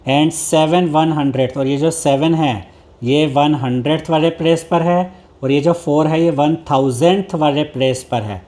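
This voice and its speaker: Male maths tutor, slightly higher voice, patient and repetitive, step-by-step explainer. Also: darkish tone. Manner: mixes Hindi with English maths terms, reads English textbook lines slowly; patient, repeats each step. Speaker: maths teacher. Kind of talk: explaining a textbook lesson.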